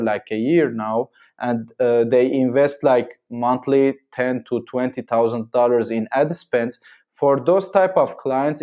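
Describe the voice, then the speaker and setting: A man's voice: mid-range voice, mellow. A man from Syria speaking non-native English, answering in a podcast interview with many fillers and restarts. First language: Armenian and Arabic. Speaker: marketing agency owner, guest.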